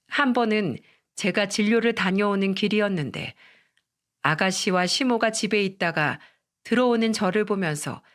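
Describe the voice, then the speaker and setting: Woman narrator, calm first-person story reading, mid pitch. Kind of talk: scripted narration.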